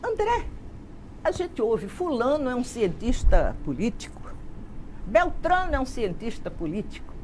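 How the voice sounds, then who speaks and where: Brazilian woman, TV talk show host, effusive, speaks to the viewers, fairly high voice, faint noise. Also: big pitch swings, a little slow, darkish tone. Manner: effusive, addresses viewers directly. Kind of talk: TV interview.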